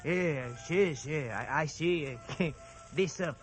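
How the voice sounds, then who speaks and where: A man's voice: on the high side, slow, soft background music. A man doing a nervous, chuckling Mexican crook. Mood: sly, friendly. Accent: Mexican Spanish. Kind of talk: 1950s radio drama acting.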